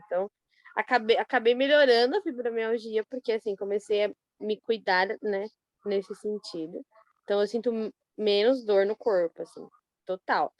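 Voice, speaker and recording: A Brazilian woman in a study group, telling a personal story in a chatty, animated way with many fillers. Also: medium pitch, no room sound. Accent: Brazilian Portuguese. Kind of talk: casual personal account.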